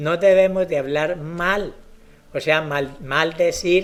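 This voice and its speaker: A man speaks at a very slow pace. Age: 70s. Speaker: pastor. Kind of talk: sermon.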